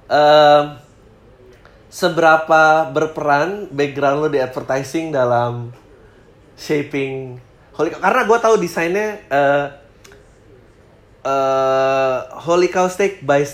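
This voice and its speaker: A man's voice: on the high side, slow pace, pauses often. A man in his thirties hosting a casual podcast interview, asking loose questions, swearing playfully and humming along. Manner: loose, swears playfully, many backchannel hums. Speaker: podcast host.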